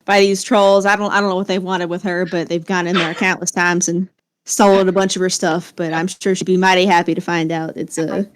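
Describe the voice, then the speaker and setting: A woman voicing a middle-aged male town official in a tabletop game, folksy and grateful, with a Southern US accent and a hesitant, drawn-out delivery. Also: lowish voice, little pitch movement, smooth, natural voice. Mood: folksy, explaining.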